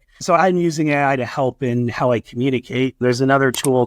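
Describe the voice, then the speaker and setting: A man speaks at a medium pitch and a fairly quick pace with ordinary pitch variation over noticeable background noise. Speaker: tech startup CEO. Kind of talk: podcast interview. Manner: fast; halting.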